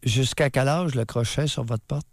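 A man's voice: medium pitch, moderate pace, dry recording, studio quality. A Québécois man hosting a call-in radio show, blunt and sarcastic, firing probing questions at callers. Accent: Québécois French. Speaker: radio host.

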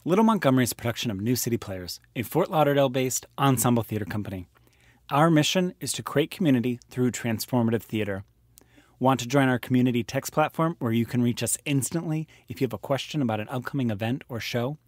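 A male announcer reads a scripted promo. His voice sits at a medium pitch and the sound is dry, with no room around it. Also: lively intonation, fast talker, dry recording.

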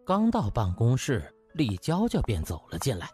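A male audiobook narrator tells a comic novel dramatically. His voice is husky, with very animated, swinging intonation, and music plays faintly behind him. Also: medium pitch, normal speed.

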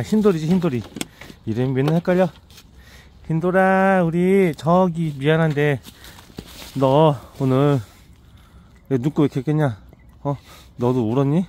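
In a rural yard lined with dog kennels, a vlogger chats casually with the rescued dogs he cares for and with his viewers, baby-talking the puppies and laughing often. His voice is a little high with a darkish tone, and there's a slight hiss or hum in the recording.

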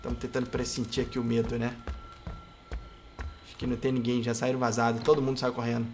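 A man with a Brazilian Portuguese accent commenting on his gameplay, playful and trash-talking, bursting into excited shouts. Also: medium pitch, quick pace, a little hiss or hum. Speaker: gameplay youtuber.

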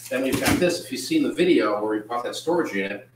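A man co-hosting a live auction, describing items in a relaxed, halting way. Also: medium pitch, heavy background noise. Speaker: auction co-host. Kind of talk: casual item description. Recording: echoey room, off mic.

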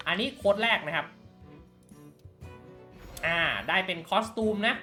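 A man giving casual commentary while redeeming codes in a mobile game, chatting along and thinking aloud with quick excited exclamations. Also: high voice, faint music behind. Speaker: mobile game channel host.

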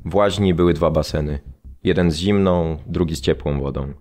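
Very deep-voiced sober male prisoner. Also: normal speed, a little mellow, faint music behind. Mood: dry recollection. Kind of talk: dramatised documentary memoir reading.

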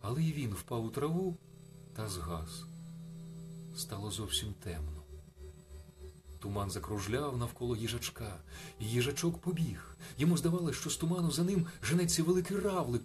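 A man reading a bedtime story on the radio in a calm, soft, reflective manner. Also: a little high, moderate pace. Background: faint music.

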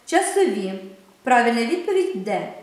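A woman teacher giving a recorded grammar lesson, reading the rules steadily and speaking the examples with expressive intonation. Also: a little high, normal speed. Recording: very echoey room.

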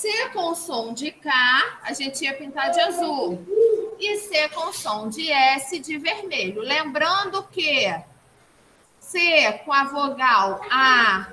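A woman teaching young children in an online phonics lesson, slow and patient, repeating each answer back. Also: high voice, animated. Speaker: primary school teacher. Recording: clear background noise.

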